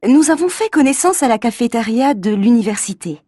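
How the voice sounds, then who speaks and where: A woman from France performing everyday scenes in a scripted dialogue for learners, speaking clearly and expressively. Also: a little high, animated, brisk, dark tone, no echo, clean studio sound.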